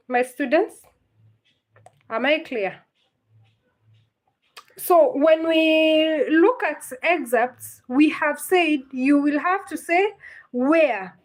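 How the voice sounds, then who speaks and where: A woman, teaching literature in a live-streamed lesson, patient and repetitive, often checking whether her students understand. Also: high voice. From Kenya.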